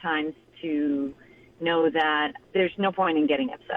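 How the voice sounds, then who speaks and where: A woman's normal speaking voice, fairly low in pitch, with an American accent and ordinary pitch variation. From California. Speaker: caller. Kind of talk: phone call-in conversation. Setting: phone call.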